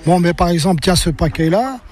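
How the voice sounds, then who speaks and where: An older man, a postcard collector, answering in a halting, hesitant way at a flea market stall. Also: sits high, animated, a crowd in the background. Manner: hesitant, halting, full of fillers.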